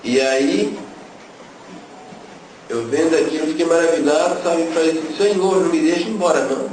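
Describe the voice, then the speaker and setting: With a fairly high-pitched, darkish voice at normal speed, a man gives an emotional religious testimony, recounting his story and dramatizing the dialogue. The room is noisy and echoey, and he sounds distant.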